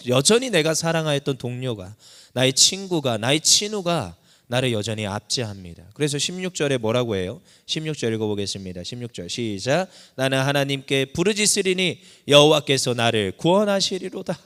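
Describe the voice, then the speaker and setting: A man pastor delivers an impassioned sermon, his pitch swinging widely as he rises into cried-out prayers and drops low again. His voice rings with the long reverb of a church sanctuary. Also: big pitch swings, normal speed, fairly bright tone. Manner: impassioned preaching, voice rising sharply when voicing prayers.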